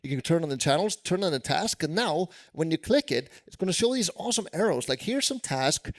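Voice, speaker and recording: A man's voice: a little high, expressive, brisk. A man with an Icelandic accent, a programmer presenting tips on stage at a conference in a casual, self-deprecating way with many fillers. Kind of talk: live conference tech talk.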